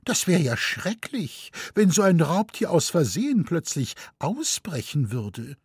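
A woman's voice: deep voice, sing-song, a little slow, darkish tone, husky, no echo, studio quality, pitched above the performer's own voice, exaggerated voice. A man reading aloud voices a fussy, anxious elderly lady who frets and chatters on primly. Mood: fretful. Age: older. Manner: prim, worried, chattering on.

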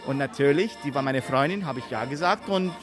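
A middle-aged man from New York, talking about himself in a relaxed interview. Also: medium pitch, brisk, music in the background. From United States, New York. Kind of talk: casual interview talk.

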